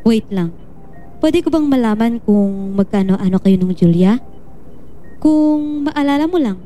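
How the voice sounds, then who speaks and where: An actress playing a gentle, reassuring woman doctor in a Filipino audio drama, speaking patiently and supportively. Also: a little high, lively intonation, a little slow, soft background music. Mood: sympathetic.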